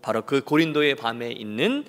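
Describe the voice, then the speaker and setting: A man's voice: mid-range voice, very animated, normal speed. A male senior pastor preaching a sermon, asking the congregation direct questions and dramatically acting out the complaints of biblical figures. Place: church sanctuary. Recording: long reverb of a church hall.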